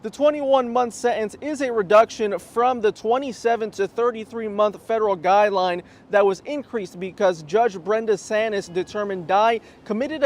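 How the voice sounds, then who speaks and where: A man's voice: high voice, a little hiss or hum. A man reporting the news as a television reporter, reading a scripted report.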